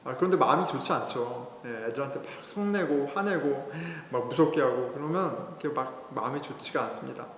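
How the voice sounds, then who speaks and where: A man's voice: medium pitch, a little fast, few pauses, fairly bright tone, a little hiss or hum. Man preaching in an echoey hall. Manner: conversational, telling a personal story. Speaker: pastor. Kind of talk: sermon. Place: church sanctuary.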